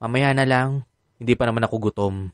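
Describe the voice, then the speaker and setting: A man's voice: mid-range voice, fairly quick, clear, resonant tone, no echo, clean studio sound, natural voice. An actor playing a sassy, dramatic, effeminate gay man in a radio drama, with a Filipino accent and campy, exasperated delivery. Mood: snippy.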